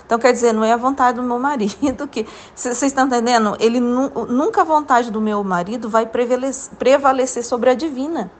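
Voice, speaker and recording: Brazilian woman as a Catholic channel host, highish voice, earnest, repetitive testimony. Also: poor audio. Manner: earnest, repetitive, full of asides asking if listeners follow. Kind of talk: casual spiritual testimony.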